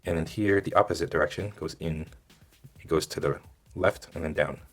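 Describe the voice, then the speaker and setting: A man who is a little hoarse, giving casual step-by-step drawing instruction and thinking aloud as he demonstrates. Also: a bass voice, fairly quick, faint music behind. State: hoarse, losing his voice. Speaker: drawing tutorial host.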